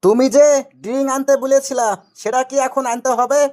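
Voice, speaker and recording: A woman plays a cheerfully obtuse husband in a comedy cartoon, in a high voice. The delivery is innocent and stubbornly persistent, with a Rajshahi Bengali accent. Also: steady tone, brisk, mellow, close to an everyday voice. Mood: innocently persistent. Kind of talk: comic cartoon dialogue.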